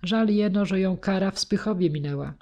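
A woman reads a shrewd, gruff older knight who speaks decisively. His voice stays mid-pitched, told as a storybook reading. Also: brisk, mellow, highs cut off, lightly acted. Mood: dismissive.

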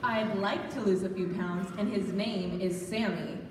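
A woman's voice: mid-range voice, steady tone, a little slow, lightly acted. A woman playing a sarcastic, self-important teenage big sister in an amateur stage radio play. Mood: teasing. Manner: dry, teasing. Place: church stage before an audience. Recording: echoey church hall, distant, faint noise.

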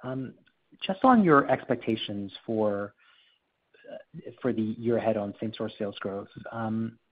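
A male financial analyst with a lowish voice puts questions on an earnings call. His delivery is halting and careful. The line is thin and telephone-like. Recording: narrow phone line.

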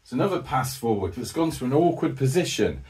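A man, the host, commentating his own tabletop football game play by play, excitable and jokey with sudden loud outbursts, out of breath from the heat. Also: mid-range voice, fast talker, far from the mic. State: out of breath, hot.

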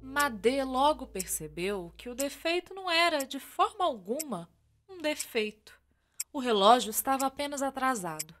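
A woman with a Brazilian accent narrating a radio serial as theatrical storytelling, with deliberate dramatic pauses. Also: high voice, sing-song, fairly bright tone, soft background music.

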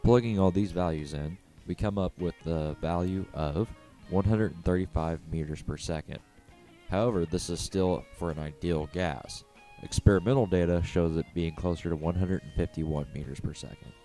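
Low-voiced man narrating a science lesson. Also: moderate pace, warm tone, faint music behind. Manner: explanatory, step-by-step. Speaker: physics explainer. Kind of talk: scripted educational narration.

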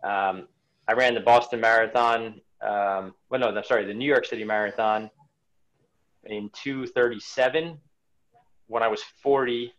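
A man's voice: on the low side, steady tone, normal speed, a bit bright, lo-fi sound. Reflective man in his forties. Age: 40s. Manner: reflective, many restarts and repeated words. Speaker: interview guest, runner. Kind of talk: casual video-call interview. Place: home room indoors. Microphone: webcam on a video call.

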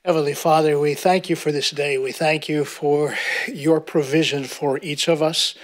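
A middle-aged man, a pastor, speaks a halting invocation with repeated filler words while standing at a podium microphone in a council chamber. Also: fairly high pitch, fairly even intonation. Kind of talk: spoken prayer.

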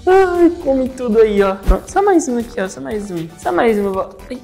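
A playful woman from Brazil chats through a video game for her viewers, her voice sitting on the higher side. She is excitable and giggly and keeps calling out to her audience. Faint music plays behind her. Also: normal speed, gravelly. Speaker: gaming YouTuber. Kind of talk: playful let's-play commentary.

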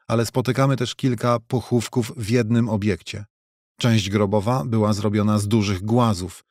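A man reading nonfiction aloud as an audiobook narrator, in a measured, even manner. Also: lowish voice, no echo, studio quality. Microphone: close studio mic.

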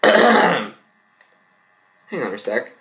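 Young guy reading fanfic out loud in his bedroom, halting, trips on words. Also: medium pitch, sing-song, noisy background. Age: young adult. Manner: halting, stumbling over words. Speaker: vlogger. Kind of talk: reading fan fiction aloud with mocking commentary. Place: small bedroom indoors.

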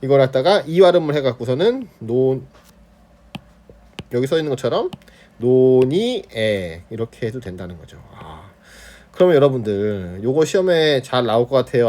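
A man's voice: mid-range voice, mellow. A male teacher giving an online lesson on pronunciation, demonstrating sounds and checking in with students constantly. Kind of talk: online Korean grammar lesson.

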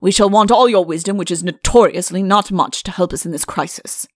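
Storybook monarch, read by a woman: grandiose, imperious and quick-tempered, with a gravelly creak. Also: medium pitch, expressive, no echo, clean studio sound. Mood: stern, exasperated. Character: pompous, bellowing, short-tempered king of storybook realm.

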